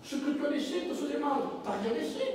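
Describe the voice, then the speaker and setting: A man preaching a sermon as pastor, acting out little dialogues in an animated way. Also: extremely high pitch, quick pace. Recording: echoey hall, recorded from far off.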